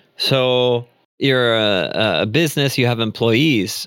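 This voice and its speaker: The pitch varies in an ordinary way. It is a normal speaking voice. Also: man. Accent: American. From United States. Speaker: startup founder and CEO. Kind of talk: interview. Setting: studio.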